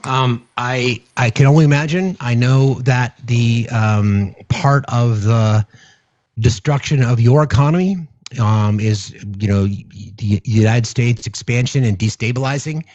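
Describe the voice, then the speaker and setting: A man's voice: medium pitch, measured pace, a little mellow, dry recording. Male streamer doing political commentary, earnest delivery, dull and dry recording. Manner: earnest, talks with callers. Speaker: livestream host.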